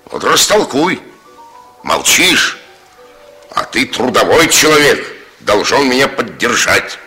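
A man's voice: mid-range voice, sing-song, slow pace, sharp tone, husky, faint music behind, full character voice. An actor playing a blunt, folksy working man who lectures about honest labour in 1960s radio drama style. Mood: preachy.

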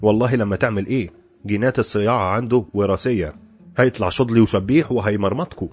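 A man's voice: lowish voice, darkish tone, husky. Man doing a mocking Egyptian doctor. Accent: Egyptian Arabic. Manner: mocking, matter-of-fact, quick scolding. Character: sardonic blunt male doctor, middle-aged. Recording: dull lo-fi with faint music.

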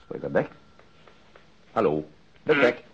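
An actor playing a stubborn, dry-humoured middle-aged police detective in a Dutch radio drama, wry and self-interrupting. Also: male voice, fairly low pitch, sing-song, takes it slowly, slight background noise, full character voice. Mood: subdued, amused. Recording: muffled archived radio drama recording.

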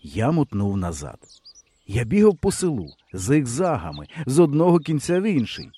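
A man reading a first-person novel aloud with expressive storytelling. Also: medium pitch, moderate pace, breathy edge, dry recording. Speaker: audiobook reader. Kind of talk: audiobook narration.

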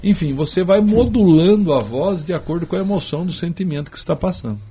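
Gravelly man giving advice. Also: high-pitched, quick pace, dark tone. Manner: explanatory, instructive. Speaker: guest commentator. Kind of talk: radio discussion.

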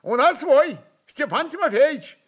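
A man voicing a talkative, impudent old Cossack who brags in a drawling, excitable way in an audio story. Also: very high-pitched, unhurried, voice pushed up. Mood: cheeky bragging.

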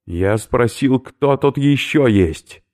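A man voicing a brash, rough young male skinhead who talks loudly and bluntly in slang. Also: mid-range voice, big pitch swings, slow, voice pushed up. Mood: shouting. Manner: loud, blunt, slangy, impatient.

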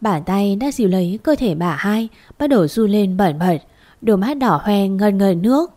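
A woman tells a melodramatic family story at a middle pitch. She reads the narration steadily and carries the drama without stepping out of the narrator's voice. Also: lively intonation, moderate pace, dark tone.

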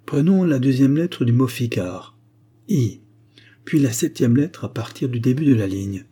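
A man voicing a bold, quick-witted young gypsy woman in an audiobook, speaking firmly and sharply. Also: medium pitch, animated, husky, voice pushed up. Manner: firm, sharp-tongued.

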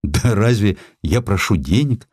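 A man performs an aging, passionate scholar in a dramatised audiobook. His delivery is emphatic and stubborn, with very animated intonation on a lowish voice. The sound is dry and intimate. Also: measured pace, slightly rough, no echo. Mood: indignant.

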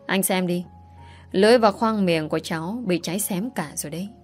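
A man voicing a calm, matter-of-fact hospital doctor explaining things in a narrated story. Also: high voice, a little fast, soft background music, natural voice.

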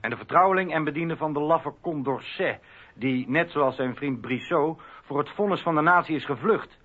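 An actor playing a contemptuous revolutionary accuser denouncing traitors in a radio play. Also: male voice, fairly high pitch, normal speed, breathy edge. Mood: scornful, accusing. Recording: thin phone-like radio recording.

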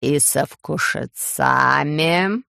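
A man voicing a sly, soft-spoken male tyrant ruler in an audiobook, speaking slowly in a hushed, purring way. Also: fairly high pitch, vocal fry, clear, resonant tone, no echo, clean studio sound, heavily acted. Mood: silky menace. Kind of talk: audiobook character voice.

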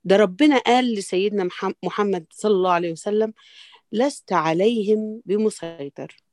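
A woman's voice: mid-range voice, moderate pace, a little mellow, close to an everyday voice. A woman playing an earnest conservative Egyptian woman. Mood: lecturing. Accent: Egyptian Arabic. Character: conservative woman troubled by free thinking. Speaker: actor rehearsing a play. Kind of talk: stage play rehearsal.

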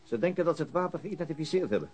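An actor playing a weary, apologetic, dogged police detective with a raw throat and hesitant manner in a radio drama. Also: male voice, fairly high pitch, animated, rapid-fire, close to an everyday voice. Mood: matter-of-fact. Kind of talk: naturalistic radio drama dialogue.

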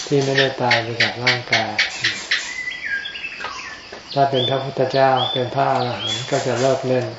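A man giving an informal Buddhist sermon as a monk, in a low-key murmur, with short phrases and pauses. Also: flat delivery. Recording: echoey, dull lo-fi, noisy with insects.

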